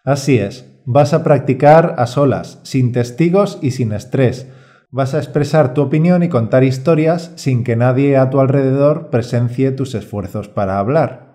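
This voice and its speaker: Mellow-voiced male Spanish teacher. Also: mid-range voice, normal speed. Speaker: Spanish teacher, podcast co-host. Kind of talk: scripted course presentation.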